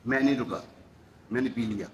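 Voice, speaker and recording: A man's voice: mid-range voice, reverberant. A man giving a religious sermon, telling stories and acting out the quoted lines with emphatic rhetorical questions. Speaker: preacher. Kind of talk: Urdu religious sermon with storytelling.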